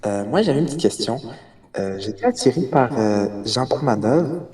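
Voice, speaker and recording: A man's voice: medium pitch, lively intonation, normal speed, warm tone. A young man from Canada calling into a live stream, hesitant and full of filler sounds. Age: young adult. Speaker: caller. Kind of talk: casual call-in chat.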